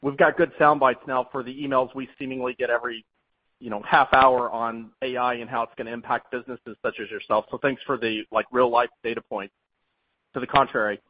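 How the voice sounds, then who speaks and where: Male analyst caller, thin telephone sound, dry, chatty and rambling, mid pitch. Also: little pitch movement, fairly quick, no echo. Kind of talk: informal question on an earnings call. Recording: thin phone line, very dry.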